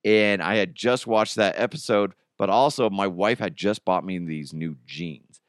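A man's voice: sits low, measured pace, dry recording, studio quality. A man hosting a podcast in casual, rambling talk, his voice a little strained. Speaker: podcast and radio host.

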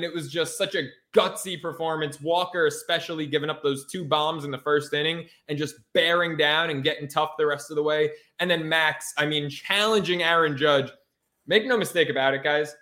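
Brash man with a slightly high voice. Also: steady tone, moderate pace, bright, forceful tone. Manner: brash, slangy, profane. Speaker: sports podcast co-host. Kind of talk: casual sports chat.

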